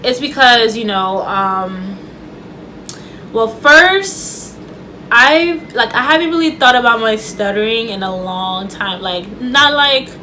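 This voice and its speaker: Woman vlogger with a mild stutter, chatty and loose, at home, soft AC hum in the background. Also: on the high side, slow. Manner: stutters, with repeated words and restarts; chatty and loose, with many fillers. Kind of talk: casual talk to camera. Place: home room with air conditioner running. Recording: faint air conditioner hum.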